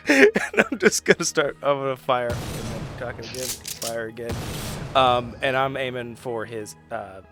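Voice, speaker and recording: A man's voice: mid-range voice, lively intonation, unhurried, music in the background. Jokey male tabletop player. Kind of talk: casual tabletop game play.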